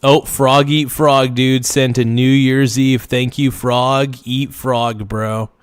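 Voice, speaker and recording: A man hosting a casual livestream reaction, his voice worn hoarse, rambling and loudly thanking donors. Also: mid-range voice, flat delivery, slow pace, no echo, clean studio sound. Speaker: livestream host.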